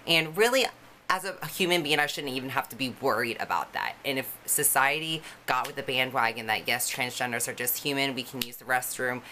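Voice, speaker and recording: A young woman with a notably low voice speaks frankly to her camera, telling her own story. Her tone is bright and forward, and the talk is loose and conversational, full of fillers. A faint hiss sits under the recording. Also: a little fast. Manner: candid, conversational, many fillers. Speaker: vlogger.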